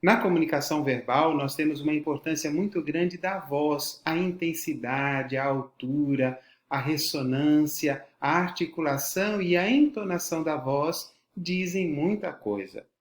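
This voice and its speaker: A man's voice: a little high, unhurried, hardly any pauses. Formal Brazilian man lecturing in echoey room. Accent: Brazilian Portuguese. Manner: formal, didactic, stresses words for emphasis. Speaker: teacher. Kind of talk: educational lecture on voice and podcasting.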